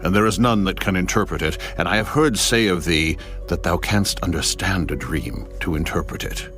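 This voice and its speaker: A grave, regal king of ancient Egypt acted by a man speaks with stately formality and unease. The voice is on the low side, with soft music behind it, as in a scripture audio drama. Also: normal speed. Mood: troubled.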